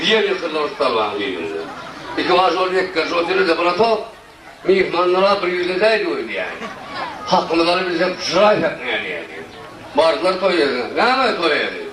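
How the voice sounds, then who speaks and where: A man from Turkmenistan, a satirical comedian, tells comic stories live on stage, now and then jumping into high shouted chants. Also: normal speed. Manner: lively, bursts into sudden high shouted chants. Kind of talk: live stand-up storytelling. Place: stage before a laughing audience. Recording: roomy live recording from a distance, crowd and noise.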